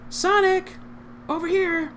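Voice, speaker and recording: Guy doing a cheery princess voice, high n playful, noisy audio. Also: level tone, slow pace, a bit bright, full character voice. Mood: excited calling. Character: cheerful, playful young elf princess, female. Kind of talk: fan fiction character reading.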